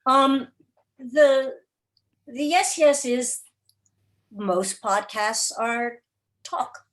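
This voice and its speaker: A woman answering as an interview guest, explaining things deliberately and emphatically in short, broken phrases. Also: high-pitched. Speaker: guest, radio drama and podcast producer.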